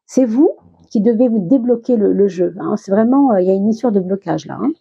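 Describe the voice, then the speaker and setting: In a mid-range voice that is deeply mellow, breathy and husky, a tarot reader chats reassuringly through a casual reading for viewers. Recovery from a minor illness makes her words slow and prompts restarts, and the recording has a somewhat dull, lo-fi home quality.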